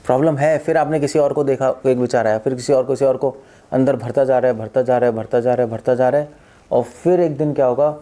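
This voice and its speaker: Man, spiritual discourse, mellow tone, animated storytelling, repeats phrases for emphasis. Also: mid-range voice, fast talker. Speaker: monk and former doctor giving a talk.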